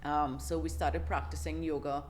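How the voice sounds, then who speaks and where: A woman's voice: deep voice, level tone, moderate pace, a little mellow, a little hiss or hum. A middle-aged woman with a Trinidadian accent, telling her life story in a casual podcast interview, chatty, with frequent laughs and restarts. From Trinidad and Tobago. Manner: chatty, laughs often, many fillers and restarts. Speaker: podcast guest.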